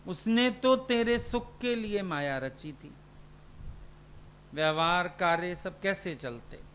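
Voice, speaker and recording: A man's voice: high-pitched, animated, slow pace, a bit bright, a little hiss or hum. A man, a spiritual teacher, giving a satsang sermon and putting questions to his listeners.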